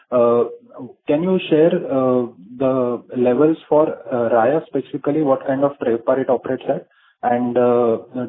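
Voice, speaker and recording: A male financial analyst asking questions on an earnings call in a halting, deferential way. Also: medium pitch. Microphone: phone call. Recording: narrow tinny phone line.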